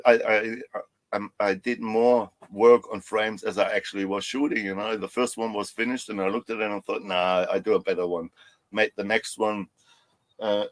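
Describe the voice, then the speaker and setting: A man from Germany with a German accent touched by Australian, chatting as a podcast guest in a self-deprecating way over a remote call. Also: low-pitched. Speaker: guest slingshot maker. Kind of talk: casual podcast interview.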